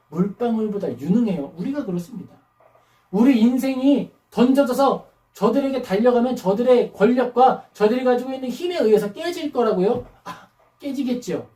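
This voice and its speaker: A woman's voice: a little high, mellow. A woman pastor preaching a sermon emphatically, firing rhetorical questions and acting out quotes. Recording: roomy hall, mic at a distance.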